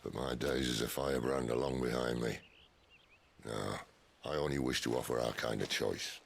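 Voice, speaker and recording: An actor playing a worldly middle-aged outlaw leader in a video game, wry, theatrical and unhurried, with a gravelly voice. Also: male voice, fairly even intonation, a little hiss or hum. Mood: wry, calm. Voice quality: very deep, gravelly. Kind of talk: video game cutscene voice acting.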